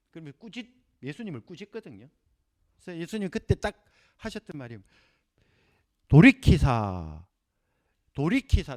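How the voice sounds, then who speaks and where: A middle-aged man giving a Bible seminar lecture, animated and acting out scenes for his class. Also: high-pitched.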